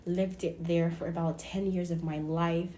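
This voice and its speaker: A young woman from Ghana, an incoming college student, speaking quickly and a little hesitantly. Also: on the low side, level tone, dark tone, a little hiss or hum. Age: young adult.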